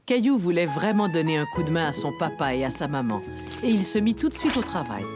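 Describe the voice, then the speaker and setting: A woman playing a gentle storyteller, narrating a French children's cartoon like a storybook. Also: deep voice, big pitch swings, a little fast, over music. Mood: warm storytelling.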